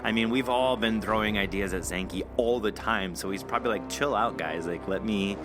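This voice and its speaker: A man's voice: fairly low pitch, normal speed, music in the background. A man hosting a podcast interview, chatty, playful and upbeat. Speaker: podcast host.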